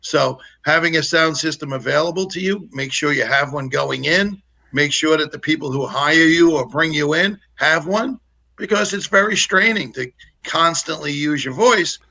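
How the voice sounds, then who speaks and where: Bright, gravelly man coaching speakers. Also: a little high, normal speed. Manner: practical, explanatory, jokes easily. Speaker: public speaking trainer. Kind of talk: casual coaching advice on a livestream. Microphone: lapel mic on a video call.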